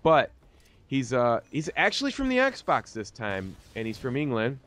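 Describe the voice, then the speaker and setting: A man with a mid-pitched voice hosts a gaming commentary. He talks in a casual, slangy way and rambles as he puts questions to his guest. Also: huge pitch swings, normal speed, fairly bright tone. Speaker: host of a gaming video series. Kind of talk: casual interview over game commentary.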